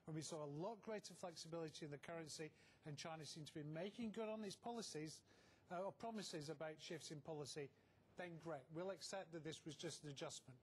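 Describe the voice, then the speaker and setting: A man speaking as a market analyst in a live news interview, explaining in a measured way and repeating words for emphasis. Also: a little high, slight background noise.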